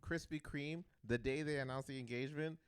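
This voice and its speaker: A young man co-hosting a podcast, chatting casually in a loud, excitable and profane way. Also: on the high side, brisk, smooth. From Canada. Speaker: podcast co-host.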